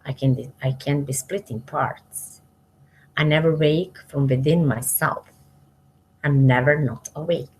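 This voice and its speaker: Slow, low-voiced woman reading sacred verse. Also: steady tone, a little hiss or hum. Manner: measured, pausing between short phrases, phrase endings trailing off softly. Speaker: reader of spiritual scripture, commenting as she goes.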